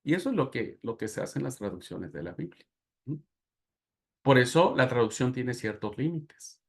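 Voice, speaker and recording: A man's voice: mid-range voice, normal speed. Mexican man teaching a Bible class. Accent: Mexican Spanish. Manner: animated storytelling with laughs and asides. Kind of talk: lecture to a class.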